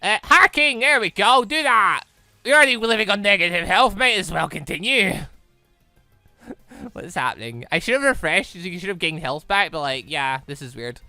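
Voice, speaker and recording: A gamer giving casual let's play commentary, muttering moves and thinking out loud. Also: mid-range voice, very animated, moderate pace, dry recording, faint music behind. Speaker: gaming video host.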